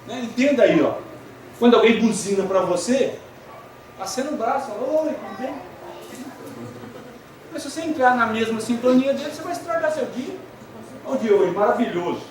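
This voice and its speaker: A man's voice: very high voice, a little mellow. A man with a Brazilian Portuguese accent giving a talk at a spiritist center, speaking conversationally, asking the audience questions and telling humorous anecdotes. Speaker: spiritist lecturer. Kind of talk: lecture to an audience. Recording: echoey hall, distant mic, faint noise.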